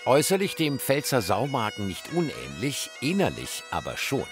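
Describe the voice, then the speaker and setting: A man reading a scripted TV news voice-over at a brisk, lively pace. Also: medium pitch. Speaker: news reporter. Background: bagpipe music.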